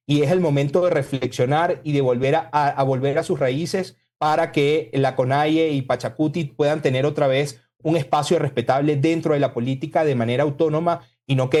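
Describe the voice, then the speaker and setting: A man from Venezuela, a political spokesman, speaking forcefully and combatively as a guest in a radio interview. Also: mid-range voice. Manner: forceful, combative political talk with emphatic lists.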